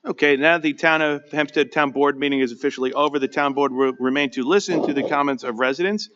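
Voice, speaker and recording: A man chairing a town board meeting as supervisor, talking briskly, informally and in a friendly way, in a town hall meeting room. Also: a little high, a bit bright, a little hiss or hum. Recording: dull lo-fi livestream audio.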